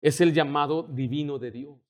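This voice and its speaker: A man's voice: a little high, fairly even intonation, normal speed. A man, a pastor, preaching a sermon and acting out the people he quotes. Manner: preaching with rising intensity, acting out quoted dialogue.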